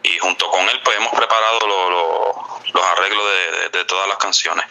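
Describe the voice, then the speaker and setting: A Christian musician and songwriter answering interview questions, devout and pausing often with filler words. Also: male voice, deep voice, steady tone, noisy background.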